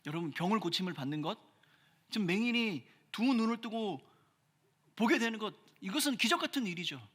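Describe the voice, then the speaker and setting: A man preaching a sermon as pastor, earnest, pressing hard on key phrases and then dropping his voice low. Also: lively intonation, a little fast, a bit bright. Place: church sanctuary. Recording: church hall reverb.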